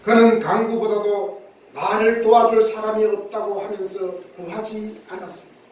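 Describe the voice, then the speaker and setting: High-voiced pastor preaching in an echoey hall. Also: male voice, fairly even intonation, moderate pace, a little mellow, slight background noise. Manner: earnest preaching with acted quotes and self-repeats. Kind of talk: sermon. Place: church sanctuary. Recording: echoey church hall, mic at a distance.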